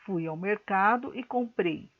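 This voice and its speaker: Female teacher, recorded class lesson, slow careful explaining, dull lo-fi sound. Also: mid-range voice.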